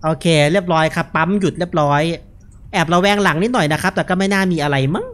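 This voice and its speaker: A man's voice: high voice, fast, a bit bright. Laid-back young man commentating a horror game. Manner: laid-back, joking, unafraid. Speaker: gaming video host.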